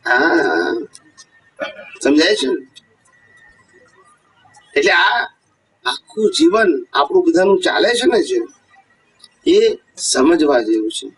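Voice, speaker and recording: A man's voice: a little high, very animated, takes it slowly, long pauses, fairly bright tone, slightly rough. A man giving a devotional discourse to a gathering as a spiritual teacher, telling stories, asking rhetorical questions and often checking that his listeners understood. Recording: voice picked up from a distance.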